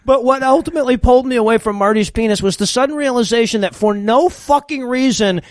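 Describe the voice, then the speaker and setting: High-pitched guy riffing on a dumb movie, super dry close mic, lots of swearing. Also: fast, no echo. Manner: profane, laughing, riffing on notes. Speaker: podcast co-host. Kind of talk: casual comedic movie riffing.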